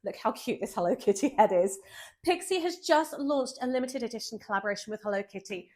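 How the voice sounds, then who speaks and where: A woman's voice: a little high, lively intonation, fairly quick, darkish tone. A woman with a nasal, stuffy voice from a cold, chatting enthusiastically through a casual makeup review. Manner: chatty, enthusiastic, gushing about products. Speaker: beauty vlogger. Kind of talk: casual product review walkthrough.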